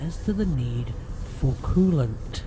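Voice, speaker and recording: A man's voice: mid-range voice, lively intonation, takes it slowly, noisy background. A man playing a quirky, inquisitive time traveller in an audio drama, polite and wry. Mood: curious, polite.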